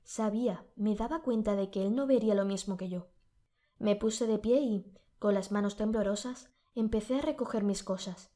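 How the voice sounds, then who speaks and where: Brief: Spanish-accented woman, audiobook narrator, measured and steady, throat a bit sore. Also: medium pitch. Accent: Spain Spanish.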